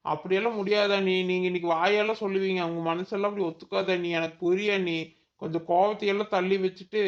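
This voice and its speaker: A man voicing a village relative in a cartoon, with a Kongu Tamil accent, pleading slowly and earnestly. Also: high-pitched, highs cut off. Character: village relative, steady family mediator.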